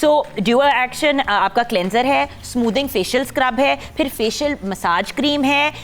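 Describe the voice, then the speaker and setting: A young adult woman hosting a morning talk show, chatty and quick with asides, mixing English into her speech. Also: sits high. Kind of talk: casual chat.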